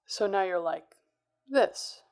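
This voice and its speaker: A woman's voice: mid-range voice, animated, slow, a little mellow. A woman playing a tough, sardonic, wisecracking crime boss in a noir audio drama, with a clipped, threatening manner. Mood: wary. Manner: sardonic, hard-boiled, clipped.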